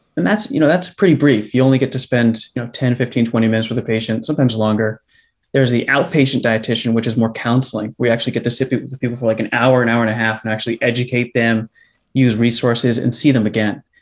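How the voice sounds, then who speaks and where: Here a man talks at a very fast pace. His pitch is medium and his intonation fairly even. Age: 30s. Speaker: dietitian. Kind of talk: casual interview.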